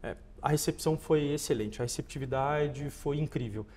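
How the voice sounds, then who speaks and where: A man's voice: fairly high pitch, moderate pace, darkish tone. A Brazilian man in his forties giving polished, conversational answers as an interview guest. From Goiás, Brazil. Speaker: interview guest, shopping mall executive. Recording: reverberant space with faint background noise.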